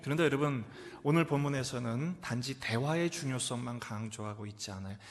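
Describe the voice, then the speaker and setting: A middle-aged male pastor preaching a sermon in a church, asking rhetorical questions and answering them, swinging from loud exclamations to near whispers. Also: mid-range voice, fairly quick. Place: church sanctuary. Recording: echoey church hall reverb.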